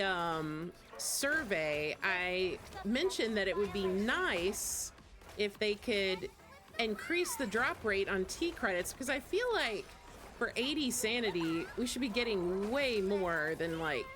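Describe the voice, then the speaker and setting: This gaming livestreamer has a mid-range, expressive voice and speaks at a measured pace. She keeps the stream chat casual and self-mocking while game music plays.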